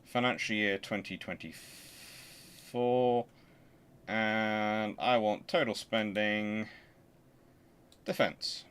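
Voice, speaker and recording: A man hosting a history channel, explaining informally and thinking aloud in a halting, conversational way. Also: fairly low pitch, fairly even intonation, fairly bright tone, smooth. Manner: conversational, halting, muttering to himself while working.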